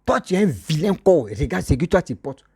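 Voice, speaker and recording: Man, husky voice, moralizing monologue, scolding tone, talks straight to viewers. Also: on the high side, sing-song, fairly quick, warm tone. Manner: scolding, repetitive, addresses listeners directly. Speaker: social commentator.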